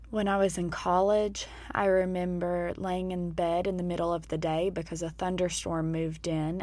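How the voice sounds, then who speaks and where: A hoarse young woman in her twenties talks slowly and gently as she hosts her own podcast. Her voice sits a little low for a woman, and the recording is close and dry with no room sound. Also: no echo. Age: 20s. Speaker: podcast host. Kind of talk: personal podcast monologue.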